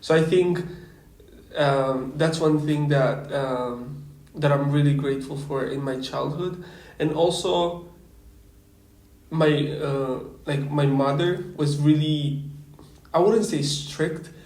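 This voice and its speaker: Over music in the background, a man with a fairly high pitch talks at a very slow pace with long, frequent pauses and fairly even intonation, and the room echo is audible. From Romania, Craiova. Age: 20s. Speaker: podcast guest. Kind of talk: casual chat.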